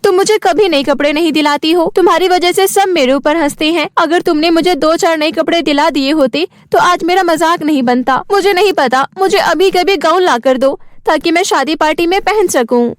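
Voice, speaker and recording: A woman voicing a stubborn, sulky poor schoolgirl in a children's cartoon, whiny, demanding and quick to talk back. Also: extremely high pitch, dry recording, studio quality, pitched above the performer's own voice. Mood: pleading, demanding. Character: stubborn, sulky poor schoolgirl who craves pretty clothes.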